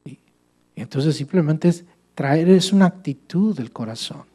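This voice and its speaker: A male pastor preaching a church sermon with a fairly high voice. He talks in an animated way, asking the congregation questions and calling them brother. His tone keeps rising and falling as he makes each point. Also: moderate pace.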